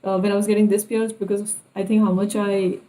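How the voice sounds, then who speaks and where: A young woman with an Indian English accent, telling personal experiences in a casual vlog style and pausing often to recall details. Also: medium pitch, flat delivery, dark tone, low-quality recording. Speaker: vlogger.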